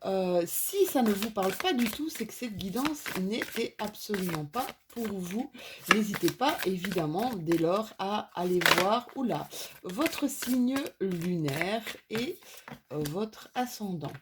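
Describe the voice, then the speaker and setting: A woman's voice: medium pitch, lively intonation, slow, very noisy. A French-speaking woman giving a casual oracle card reading at home, chatty and self-mocking, drifting off topic now and then. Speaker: astrology and oracle card reader.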